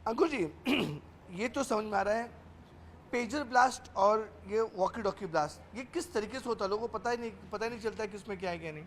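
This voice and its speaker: High-pitched male Hindi TV news reporter. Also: brisk. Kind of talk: on-camera news explainer and interview. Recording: clear background noise.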